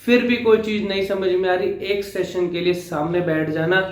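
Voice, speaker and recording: A man teaching how to pronounce letters as a speech coach, slowly sounding out each one for practice. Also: high-pitched, roomy sound. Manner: slow, demonstrative, repeats sounds for practice. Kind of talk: pronunciation lesson.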